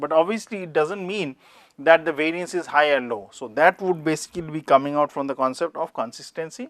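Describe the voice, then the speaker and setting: An Indian accent, lively intonation and a fairly quick pace, in a dry, close sound with no echo. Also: man. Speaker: professor. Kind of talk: lecture. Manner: halting.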